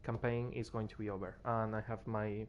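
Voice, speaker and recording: A man's voice: fairly low pitch, little pitch movement, a little fast, lo-fi sound, slight background noise. Tired man rambling over his gameplay. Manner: rambling, restarts when moved. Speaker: streamer. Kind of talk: casual gameplay commentary.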